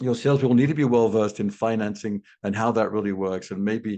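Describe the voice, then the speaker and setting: A man with an English accent speaks at a moderate pace against a quiet background. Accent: English accent, noted by himself. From England. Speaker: new home sales trainer. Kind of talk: webinar presentation. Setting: webinar video call. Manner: halting, many repetitions and fillers.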